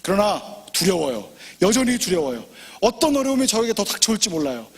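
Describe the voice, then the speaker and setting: A man preaching a sermon as pastor, impassioned and personal, swinging from loud pleading to hushed near-whispers. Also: sits high, very animated, fairly quick, breathy edge, long reverb tail. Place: church sanctuary.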